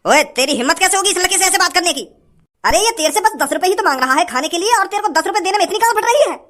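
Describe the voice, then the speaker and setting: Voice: very high-pitched, lively intonation, racing, fairly bright tone. A performer voicing a brash, generous young rich man in a comedy skit, lecturing and boastful. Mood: scolding.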